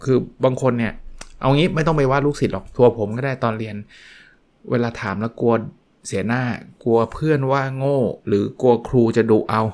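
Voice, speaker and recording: A middle-aged male teacher talking casually through quotes from a book for an online class, chatty and lively, slipping into quoted voices. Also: mid-range voice, a little fast.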